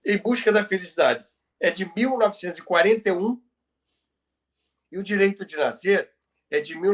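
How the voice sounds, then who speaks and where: A man with a Brazilian accent co-hosting a conversational podcast, explaining history emphatically and repeating phrases for emphasis. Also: high-pitched. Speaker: podcast co-host. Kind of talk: conversational radio history commentary.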